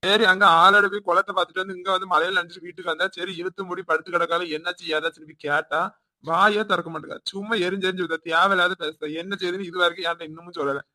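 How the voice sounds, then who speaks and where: A man voicing a quick-tempered village husband in a cartoon, with a Tirunelveli Tamil accent and a nagging, hectoring way of talking. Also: high voice, steady tone, sharp tone, no echo. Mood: grumbling. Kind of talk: cartoon voice acting.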